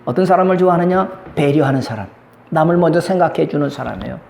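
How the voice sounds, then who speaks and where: A male pastor preaching a Sunday sermon in a lively way, acting out little dialogues. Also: fairly high pitch, fast, creaky, reverberant, slight background noise. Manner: lively, acts out quoted dialogue. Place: church sanctuary.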